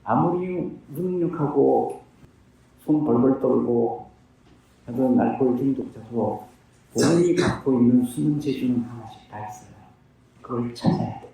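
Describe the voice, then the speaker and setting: A man in his fifties, with a creaky, mellow mid-range voice and a measured pace, delivers an earnest, plain-spoken recovery testimony. He asks himself questions and answers them. The recording comes from a distant mic in a very echoey space.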